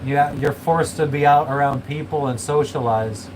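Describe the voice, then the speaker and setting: A man vlogging in casual chat, rambling and swearing freely in a flat, monotone way. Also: on the high side, normal speed. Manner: rambling, swears a lot, self-described monotone. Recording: noisy room with air conditioning and traffic hum.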